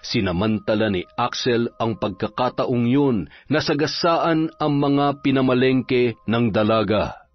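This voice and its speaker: A man narrating a scripted horror story in a steady, dramatic way. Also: mid-range voice, measured pace. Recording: slightly dull, faint music.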